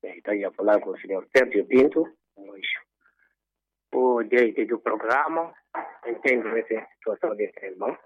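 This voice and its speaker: A man from Mozambique phones in to a radio show, and his husky voice comes through dull and muffled. He talks earnestly and leans on religious phrasing. The sound is dry, with no room around it. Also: fairly low pitch, moderate pace, dry recording. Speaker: radio caller.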